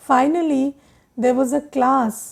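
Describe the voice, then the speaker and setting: Speaking very slowly in a high voice, a woman with an Indian accent is heard on a very clean recording with a silent background. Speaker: spiritual teacher. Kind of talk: spiritual talk.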